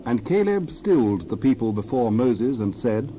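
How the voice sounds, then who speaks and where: A man narrates scripture in deliberate, measured phrases at a medium pitch. The recording is dull, with clear noise behind the voice. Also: big pitch swings. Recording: dull, noisy recording with background ambience.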